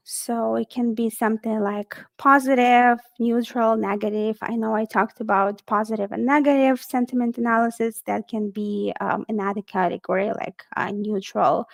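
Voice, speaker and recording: A woman's voice: fairly high pitch, gravelly, dry recording. A woman presenting a technical webinar in a casual, friendly way, with frequent fillers.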